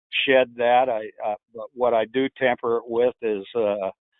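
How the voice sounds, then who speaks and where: A man at a moderate pace, medium in pitch, with monotone, flat intonation. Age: 60s. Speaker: city council member. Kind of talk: council meeting discussion. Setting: conference call. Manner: halting, many fillers.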